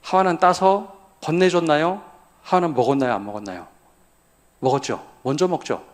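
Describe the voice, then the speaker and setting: A male pastor with a voice on the high side and a moderate pace preaches a sermon at a midweek church prayer service. He often puts questions to the congregation, then answers them himself.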